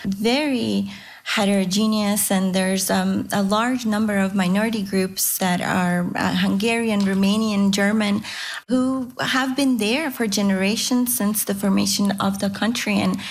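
A woman from northern Serbia who explains her background in a measured way as a panel guest. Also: medium pitch, steady tone. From Vojvodina, Serbia. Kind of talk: panel discussion.

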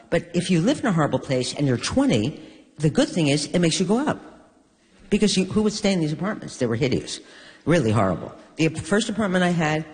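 An older woman from New York, a guest in an onstage conversation, telling stories with wry, deadpan humor. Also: low voice. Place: stage in a hall. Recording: long reverb of a large hall.

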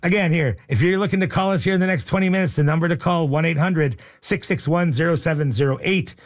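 A man hosting a radio call-in show, upbeat and joking, reading out the phone number slowly. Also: on the high side. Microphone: studio microphone.

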